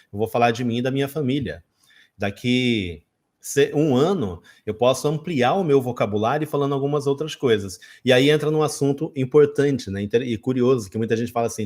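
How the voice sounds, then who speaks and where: Male English teacher from Brazil, casual lesson, mid-pitched, conversational, acts out examples. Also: darkish tone. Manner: chatty, talks straight to viewers, acts out his own learner self.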